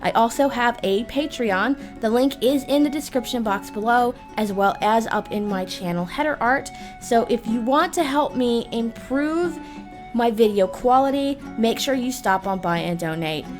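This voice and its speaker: A woman's voice: on the high side, expressive, normal speed. Woman narrating a scripted explainer over music. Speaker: video host and narrator. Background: background music.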